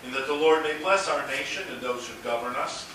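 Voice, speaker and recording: A pastor leading liturgical prayer in a measured, solemn way, his voice ringing with cathedral echo. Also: mid-range voice, sharp tone, a little hiss or hum. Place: large echoing church. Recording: cathedral echo, voice heard from a distance.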